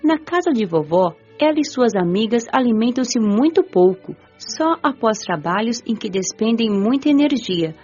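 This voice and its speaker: A woman plays a serene nineteen-year-old female spirit telling her story for a radio drama. She speaks with a Brazilian accent in a measured, gently instructive way. The sound is slightly dull and lo-fi, with music underneath. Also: on the high side, sing-song, slightly rough. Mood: serene, content. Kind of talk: scripted first-person radio drama narration. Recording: dull lo-fi audio with music behind. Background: background music.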